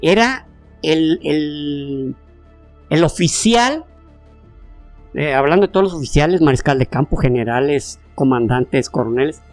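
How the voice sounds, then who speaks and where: A Mexican-accented podcast co-host rambles through history in a casual, slangy way, restarting sentences often. The pitch swings widely and sounds animated. Soft music sits underneath. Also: measured pace. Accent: Mexican Spanish.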